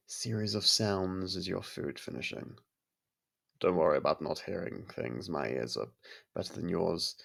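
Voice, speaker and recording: A courteous but possessive vampire lord, played by a man for an ASMR roleplay. The voice sits low and husky, thick with gravelly fry. He speaks in formal, measured phrases with quiet command. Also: exaggerated voice. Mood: explanatory, polite. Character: courteous, possessive vampire manor lord softening toward a human.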